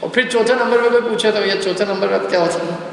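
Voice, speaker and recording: High-voiced man lecturing in an echoey hall. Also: fairly even intonation, fast, gravelly. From India. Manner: explains step by step, asks the listeners questions. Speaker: lecturer on scripture. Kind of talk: religious lecture to a class. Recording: echoey hall, faint background noise.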